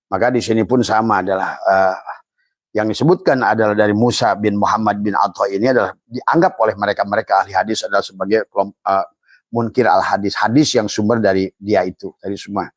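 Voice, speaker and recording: A man's voice: lowish voice, dry recording, clean studio sound. An older man, an Islamic preacher, giving a rambling religious teaching talk with many fillers and restarts, quoting Arabic phrases.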